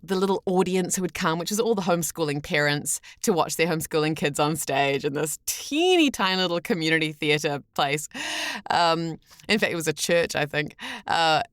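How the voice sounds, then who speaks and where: A New Zealand woman in her thirties talks casually and reflectively in an interview. Her voice sits a little low, and the sound is dry with hardly any room in it. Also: fairly bright tone, dry recording. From rural New Zealand. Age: 30s. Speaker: podcast guest, voice actor. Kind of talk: casual personal storytelling in an interview.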